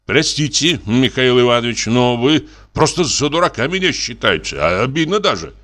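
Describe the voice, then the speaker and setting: Male narrator doing a touchy young soldier, hesitant, stubborn, bright tone. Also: medium pitch, animated, normal speed, natural voice. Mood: offended. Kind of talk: audiobook character reading.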